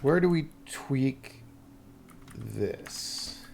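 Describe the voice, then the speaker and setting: A man's voice: mid-range voice, animated, very slow, gravelly, a little mellow, slight background noise. A man live-streaming game development, thinking aloud casually and muttering to himself in short fragments.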